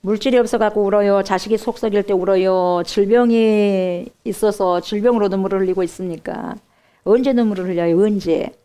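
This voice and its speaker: A woman's voice: medium pitch, steady tone, fairly quick, warm tone, clear, resonant tone. Emphatic woman pastor with a Jeolla accent. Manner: emphatic preaching, direct questions to the congregation. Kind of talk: sermon.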